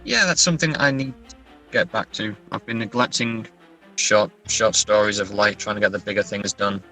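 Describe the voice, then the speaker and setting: A man's voice: fairly low pitch, moderate pace, bright, forceful tone, soft background music, poor audio. A man talking casually as a guest author in an interview, chatty and self-deprecating.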